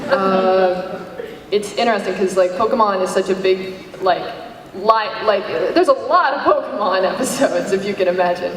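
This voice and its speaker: A woman's voice: mid-range voice, moderate pace, slight background noise. Woman joking around casually on a con panel, kinda self-deprecating, echoey and far from mic. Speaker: panelist and parody series writer. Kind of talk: casual unscripted panel chat. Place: convention panel room. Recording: echoey hall, distant microphone.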